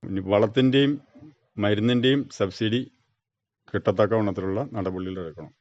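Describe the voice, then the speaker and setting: Low-voiced older man, dull sound. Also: normal speed, darkish tone, dry recording. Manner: plain, brief, factual answers. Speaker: retired farmer being interviewed. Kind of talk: interview answers. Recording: dull, muffled radio recording.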